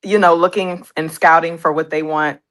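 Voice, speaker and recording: A woman musician speaking as an interview guest, her voice on the low side. She talks candidly and tells stories with a relaxed laugh. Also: normal speed. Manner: candid and storytelling, with light laughs. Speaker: singer and pianist guest. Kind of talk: casual interview chat.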